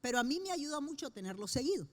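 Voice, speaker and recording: A middle-aged woman pastor delivers a sermon. Her voice sits high, and she speaks earnestly, stretching key phrases with slow, emphatic pauses. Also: big pitch swings.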